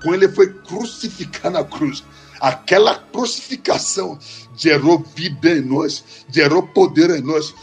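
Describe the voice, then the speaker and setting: An impassioned pastor with a high voice preaches a sermon, driving his phrases home in chant-like repetition. Faint music plays softly behind him. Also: measured pace.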